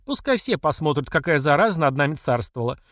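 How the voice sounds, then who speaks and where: A fierce older mother full of folksy sayings, high and lively in pitch, as a male narrator puts her on. The recording is close and dry. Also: fast talker, no room sound. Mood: gloating. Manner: shouting, mocking, folksy sayings. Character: fierce, furious older working-class mother.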